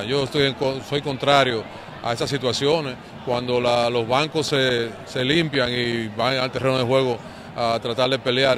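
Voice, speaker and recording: A man with a Dominican accent, a baseball manager answering post-game questions in a measured, hesitant way. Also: medium pitch. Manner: measured, hesitant with many fillers. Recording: noisy outdoor field recording.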